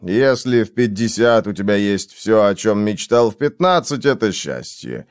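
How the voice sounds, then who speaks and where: A man's voice: on the low side, sing-song, normal speed, clear, resonant tone, dry recording, clean studio sound. A male reader voicing a blunt, weary middle-aged man in an audiobook. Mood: gruff.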